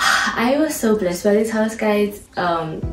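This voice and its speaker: A woman talks at a fairly slow pace while clear music plays behind her. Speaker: vlogger. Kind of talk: casual vlog chat. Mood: happy and excited. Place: home room. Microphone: phone near.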